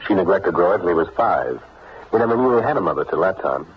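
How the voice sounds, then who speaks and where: An actor playing an earnest, troubled gentleman, a fond fiancé and uncle, in a radio soap, courteous and hesitant. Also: sits low, expressive, quick pace. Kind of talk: 1940s radio soap acting. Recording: muffled, noisy old radio recording.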